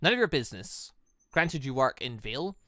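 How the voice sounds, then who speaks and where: A man's voice: mid-range voice, very animated, brisk, pushed and bright, dry recording, clean studio sound. A man reading the visual novel lines of a menacing, contemptuous young male terrorist leader, terse and haughty. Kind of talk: reading visual novel game dialogue in character.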